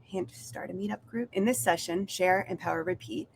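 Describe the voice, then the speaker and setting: A woman's voice: medium pitch, normal speed. A woman hosting an online event, giving a scripted introduction and housekeeping notes. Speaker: session host. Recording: clearly noisy background.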